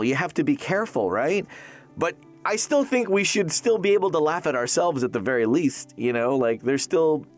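A man, a Canadian-raised voice actor, chatting casually in an interview with lots of restarts and fillers. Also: a little high. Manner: rambling, many restarts and fillers. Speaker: voice actor guest.

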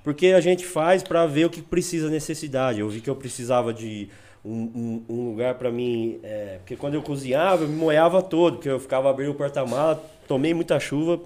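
A man's voice: medium pitch, brisk, a little mellow. A young man with a Brazilian accent, a guest telling a road trip story in slangy casual chat and acting out the people he quotes.

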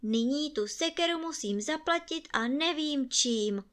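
A woman's voice: high voice, animated, a bit bright, pitched above the performer's own voice. A woman voicing a grumpy older woodcutter who scolds his son angrily. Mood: angry. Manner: angry, scolding.

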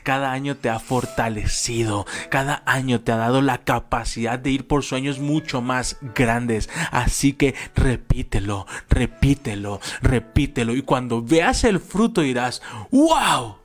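A man's voice: medium pitch, moderate pace, hardly any pauses. A man, a father in his thirties, co-hosting a Christian talk show, who gives motivational encouragement with lots of repetition and personal stories. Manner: speaks with repetition and emphasis, tells personal stories. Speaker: co-host of a faith talk show.

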